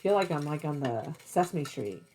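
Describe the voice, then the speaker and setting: A woman's voice: sits low, lively intonation, normal speed, darkish tone, slight background noise. A woman hosting a craft vlog, chatting casually in a rambling way and thinking aloud as she goes. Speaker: cross-stitch vlog host. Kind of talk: casual rambling chat to camera.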